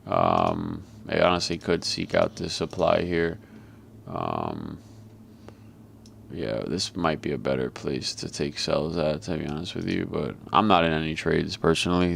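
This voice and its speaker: A man with a very deep, heavily gravelly voice talks through the markets live. His delivery is flat and monotone, casual and blunt, and he swears freely. He sounds like he is on a video call. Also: slight background noise. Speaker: trader and market commentator. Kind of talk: live trading commentary.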